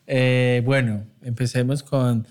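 A man's voice: medium pitch, flat delivery, slow, darkish tone, smooth. A man from Colombia speaking, co-hosting a podcast and asking questions with frequent hesitations. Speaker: podcast co-host. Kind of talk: casual conversational interview.

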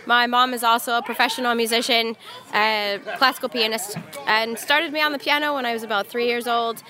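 A woman harpist from Ohio telling her story in a casual interview, friendly and quick to laugh. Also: a little high, fairly even intonation. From Ohio, USA. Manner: friendly, laughs easily, answers at length. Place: outdoor festival with crowd.

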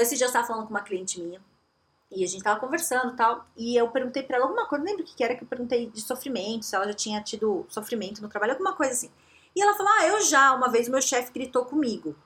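A woman career coach giving emphatic, animated advice straight to the viewer. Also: a little high. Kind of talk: direct-to-camera advice talk.

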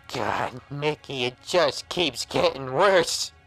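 A sly, taunting monster who was once somebody's pal, in a horror noir audio drama. He drags his gangster slang out extremely slowly and insinuatingly, over clear background music. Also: medium pitch, fairly bright tone, exaggerated voice. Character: monstrous transformed old pal, sly, taunting, warning creature.

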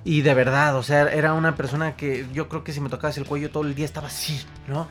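Young Mexican man, motivational speaker; slightly raised pitch, emotional and animated, repeats words for emphasis, soft music underneath. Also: quick pace. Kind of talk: personal storytelling talk.

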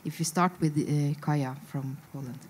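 A woman with a low-pitched voice chairs a panel discussion. She speaks in a halting way, searching for her words as she puts questions to the guests. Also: steady tone, a little mellow, slight background noise. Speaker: panel moderator.

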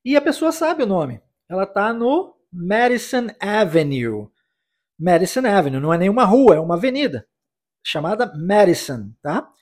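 Male podcast English teacher, high husky voice, patient explainer who drills phrases. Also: very animated, moderate pace, darkish tone. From United States. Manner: explanatory, repeats phrases for the listener to practise. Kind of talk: podcast language lesson.

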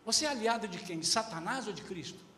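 A man preaching a sermon as pastor, emphatic and animated. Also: high voice, quick pace, a little hiss or hum. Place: church. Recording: echoey church hall.

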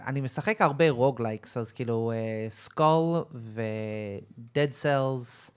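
A man's voice: mid-range voice, smooth. A man in his thirties with an American accent, a podcast guest chatting casually in a rambling way full of fillers. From United States. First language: English. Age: 30s. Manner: laid-back, rambling with many fillers. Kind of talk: casual chat.

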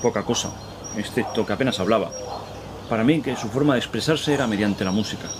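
A man playing a kindly, talkative park worker who speaks courteously and pauses to search for words. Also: lowish voice, background noise, close to an everyday voice. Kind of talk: radio drama acting. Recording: outdoor park ambience with birds. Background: birds and outdoor ambience.

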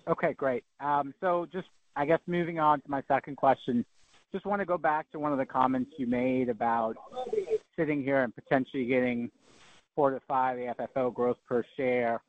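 A man's voice: mid-range voice, steady tone, moderate pace. A man speaking as an analyst, putting an unscripted question over the phone on an earnings call. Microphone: telephone. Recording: tinny, dry narrowband phone line.

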